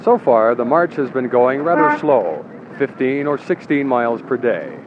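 Male news reporter, old newsreel sound, measured formal delivery, mid pitch, muffled lo-fi audio. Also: lively intonation. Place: outdoors beside a highway. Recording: dull lo-fi old newsreel with loud outdoor noise.

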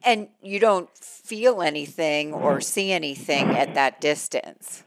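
An American woman presents a public radio program in a somewhat low voice. She delivers scripted lines and interview questions in a dry studio sound. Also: animated, slow, no room sound. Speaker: radio host.

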